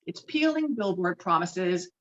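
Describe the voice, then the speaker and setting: A woman reading screenplay stage directions with dramatic, expressive delivery over a video call. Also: fairly low pitch, a little slow, dull audio. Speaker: stage directions reader at a table read.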